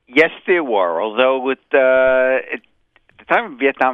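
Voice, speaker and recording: With an American accent, a man speaks at a moderate pace in a medium pitch, using an ordinary speaking voice. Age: 60s. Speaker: war veteran. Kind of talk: interview.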